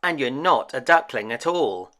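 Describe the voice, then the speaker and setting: A man's voice: medium pitch, lively intonation, moderate pace, fairly bright tone, natural voice. A man voicing kindly white swans in a storybook, friendly and inviting as they call out. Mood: reassuring. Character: beautiful white swans, welcoming, kindly, calling out.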